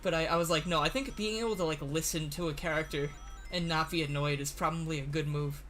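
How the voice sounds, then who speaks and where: Livestream host, casual chat, nervous, stammering, laughs a lot, middle pitch. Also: fairly even intonation, fast talker, a bit bright, faint music behind. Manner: chatty, stammering, laughs often. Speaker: livestream host and series writer.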